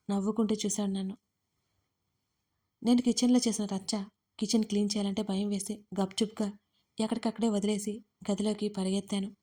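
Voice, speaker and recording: A woman tells a first-person audio story in a close, conversational manner. Her voice is warm and mellow, and her pitch stays level with little rise and fall. The telling is unhurried and personal. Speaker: author and narrator.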